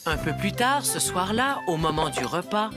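A woman narrating a French children's cartoon story as a kindly storyteller, expressive and clearly articulated. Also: fairly low pitch, moderate pace, over loud music. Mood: storytelling.

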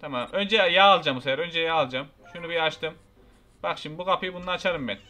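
High, bright-voiced young gamer. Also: male voice, fast talker, soft background music. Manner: excitable, frustrated, shouts at game characters. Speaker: gaming YouTuber. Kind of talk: gameplay commentary.

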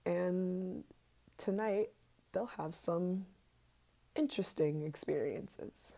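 A woman voicing an obsessive yandere scientist in an ASMR role-play, sweet and sinister, soft-spoken with hesitant pauses. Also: fairly low pitch, vocal fry, exaggerated voice. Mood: smug, sinister.

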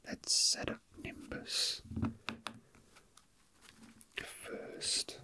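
Here an ASMR host speaks in a quiet whisper, unhurried and casual, sitting close to the mic. They play with small objects while musing to themselves.

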